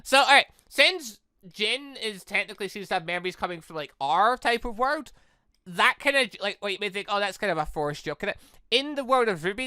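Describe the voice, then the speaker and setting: An excitable game streamer reading a visual novel aloud and breaking off into rambling commentary. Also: medium pitch, no room sound, studio quality. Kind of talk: let's-play commentary and read-aloud.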